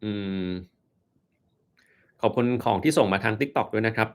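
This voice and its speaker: A man with a somewhat low voice hosts a casual live stream, answering viewer questions as a doctor. He explains things in a relaxed, conversational way. He pauses often and fills the gaps with small hums and fillers.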